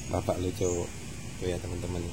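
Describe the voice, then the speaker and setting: A man hosting a casual tips vlog, talking informally and haltingly and repeating himself. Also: low voice, fairly bright tone. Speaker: bird keeper and video host. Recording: very noisy, traffic and animal sounds.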